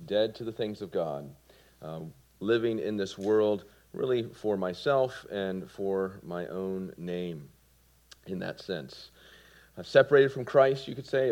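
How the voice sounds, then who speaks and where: A man in his forties from Georgia with a Southern American accent, giving his personal testimony in a sermon with earnest, halting delivery. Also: deep voice. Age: 40s. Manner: earnest, with fillers and soft laughs. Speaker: preacher.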